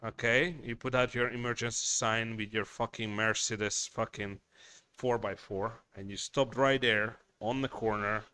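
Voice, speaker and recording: A man's voice: lowish voice, steady tone, unhurried, pushed and bright, smooth, dry recording. A man hosting a casual livestream, chatting with viewers, reading their messages and swearing bluntly as he rambles. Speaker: livestream host.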